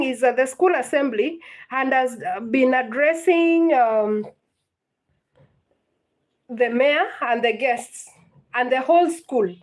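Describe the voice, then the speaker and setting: A woman's voice: sits high, darkish tone. A woman, teaching literature in a live-streamed lesson, patient and repetitive, often checking whether her students understand. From Kenya.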